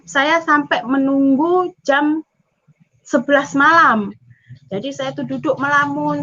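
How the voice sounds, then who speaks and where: A young woman from East Java tells her church testimony with a high, bright pitch. She gets emotional and acts out the dialogue as she goes. The recording is slightly dull and lo-fi. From East Java, Indonesia. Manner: emotional storytelling, acting out dialogue. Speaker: testimony speaker.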